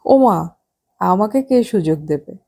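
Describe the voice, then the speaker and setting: A woman voicing a middle-aged wife who teases and scolds her husband with a sharp tongue. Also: mid-range voice, animated, slow. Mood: teasing.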